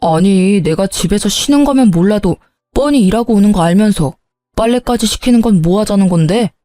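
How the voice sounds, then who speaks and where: A woman's voice: medium pitch, animated, a little fast, dark tone, dry recording, close to an everyday voice. A woman voicing a selfish young husband who argues and shifts the blame. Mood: defensive. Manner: argumentative, blaming.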